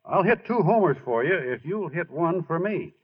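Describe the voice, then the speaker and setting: A man's voice: on the high side, expressive, moderate pace, slightly rough. A man playing a modest, earnest, bashful baseball star in a 1940s radio drama, speaking plainly. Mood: gentle, encouraging. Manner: plain-spoken, hesitant, understated. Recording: muffled old radio broadcast.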